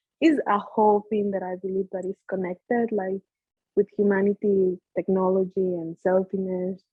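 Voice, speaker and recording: Pitched at a medium level, this woman's voice stays flat and monotone. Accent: Spanish. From Ecuador. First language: Spanish. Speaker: audience member. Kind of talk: audience question.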